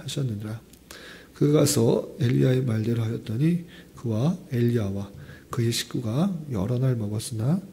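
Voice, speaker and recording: A man, hoarse from a throat cold, speaking formally and politely as a pastor reading scripture and preaching. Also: medium pitch, dark tone. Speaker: pastor leading a dawn prayer service. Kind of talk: scripture reading and expository sermon.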